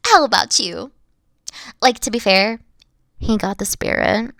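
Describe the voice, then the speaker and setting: A woman playing a haughty but secretly soft, dorky evil queen in a roleplay audio, pompous, theatrical and easily flustered. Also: a little high, expressive, measured pace, gravelly, no room sound, studio quality, heavily acted. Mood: haughty, petulant. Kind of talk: playful roleplay audio acting.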